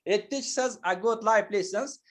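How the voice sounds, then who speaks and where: A man teaching an English lesson, explaining patiently and slowly with many hesitations and fillers. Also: high voice, a bit bright. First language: not Turkish.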